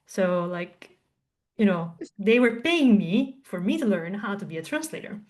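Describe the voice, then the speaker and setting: A woman's voice: medium pitch, lively intonation, measured pace, a little mellow. A woman in her thirties from southern Italy, whose first language is Italian, talking casually as a podcast guest and telling her story with lots of fillers. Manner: chatty, storytelling with frequent fillers. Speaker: guest, translator and tech co-founder.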